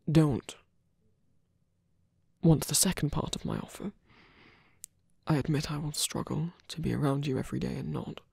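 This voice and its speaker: Man acting a very breathy, hesitant villain in love. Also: on the high side, darkish tone, no room sound, studio quality, exaggerated voice. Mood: earnest, nervous. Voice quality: breathy, often dropping to a whisper. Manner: halting, hesitant delivery with pauses. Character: guarded, lovestruck male villain, hesitant and tender. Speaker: ASMR roleplay voice actor. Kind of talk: ASMR romantic roleplay, intimate and halting. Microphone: close dry microphone.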